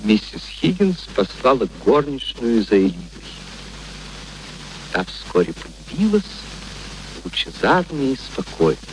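An actor playing a kindly, mild gentleman colonel in a radio play, polite and soothing. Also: mid-range voice, low-quality recording. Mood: admiring. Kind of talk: theatrical radio play acting and narration. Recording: faint background noise, archive radio recording.

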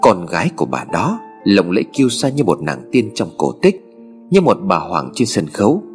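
Low-voiced male storyteller. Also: wildly swooping pitch, big-room sound. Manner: measured, dramatic. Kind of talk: scripted narration of a ghost story. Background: music.

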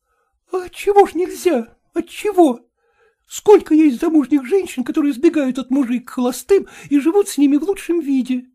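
A woman's voice: high-pitched, lively intonation, moderate pace, warm tone, voice pushed up. A man voicing a young married woman, desperate and pleading in tears, reading a storybook. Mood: insistent. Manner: pleading, insistent, tearful.

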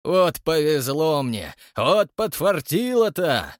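A man voicing a boisterous, burly elderly man who roars his words loudly. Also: sing-song, slow pace, no room sound, clean studio sound. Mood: jubilant. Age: older. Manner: booming, roaring.

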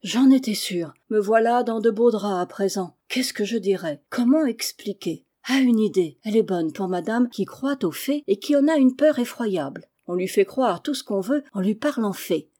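A woman's voice: medium pitch, lively intonation, moderate pace, hardly any pauses, mellow, close to an everyday voice. Woman reading as a kindly, clever maidservant. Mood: sly.

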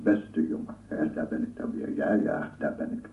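A man's voice: very deep voice, normal speed, vocal fry, a little hiss or hum. An actor playing an obsessive lone scientist in a radio play, cooing and murmuring repetitively as he does with his dog. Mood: fond, coaxing. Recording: echoey, distant, phone-like old radio recording.

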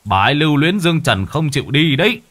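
A man's voice: fairly high pitch, sing-song, fast, a bit bright, slight background noise, voice pushed up. A man doing a bossy old village elder. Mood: ominous.

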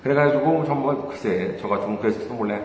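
A man's voice: mid-range voice, fast talker. A man preaching a sermon as a pastor, conversational and full of rhetorical questions, with many hesitant fillers and little chuckles. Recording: very echoey hall, faint room noise.

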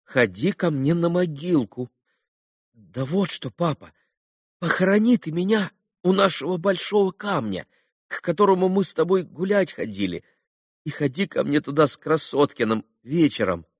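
A man's voice: on the high side, lively intonation, normal speed, no echo, clean studio sound, pitched above the performer's own voice. A man voicing a frail sick young boy who pleads in a trembling, tearful voice, in an audiobook. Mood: pleading. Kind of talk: audiobook character reading.

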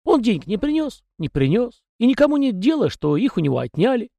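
A man's voice: extremely high pitch, sing-song, brisk, creaky, mellow, dry recording, pitched above the performer's own voice, heavily acted. A man doing a chatty little house spirit. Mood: chatty folksy. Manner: rustic folksy peasant speech.

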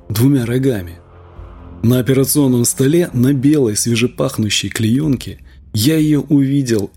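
A man narrating a literary audiobook in a measured, expressive reading. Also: mid-range voice.

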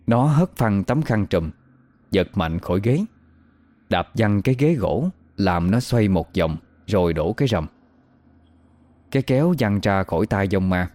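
A man telling a horror story in slow, even, suspenseful narration. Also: fairly low pitch, no echo. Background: faint music.

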